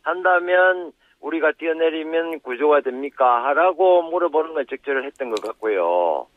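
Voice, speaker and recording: A man, a professor, explaining on a news interview over a phone line, measured and pausing often with fillers. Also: a little high, lively intonation, dry recording. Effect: heard over a phone line. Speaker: professor, expert guest. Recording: tinny phone line, dry.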